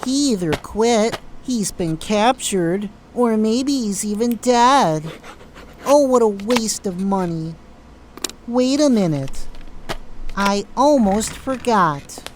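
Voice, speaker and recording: A woman's voice: mid-range voice, lively intonation, slow, darkish tone, a little hiss or hum, poor audio. A woman playing an anxious, frustrated hospital worker in an audio drama. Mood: worried, exasperated.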